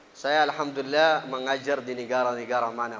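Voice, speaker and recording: A man with a non-native accent at a fairly quick pace, with audible room echo. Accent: foreign accent in Indonesian. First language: Arabic (speaking Indonesian). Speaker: Islamic preacher and teacher. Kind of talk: religious lecture. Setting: mosque.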